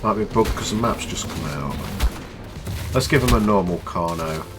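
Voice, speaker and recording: A man with a stuffy nose from a cold, explaining a video game in a chatty, low-key tutorial. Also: lively intonation, normal speed, over music. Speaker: gaming channel host.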